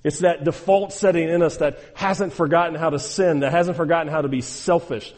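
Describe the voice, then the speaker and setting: A man's voice: fairly high pitch, steady tone, fairly quick, a little mellow, long reverb tail. A man preaching a sermon, emphatic and exhorting, repeating phrases and speaking straight to his listeners. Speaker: pastor.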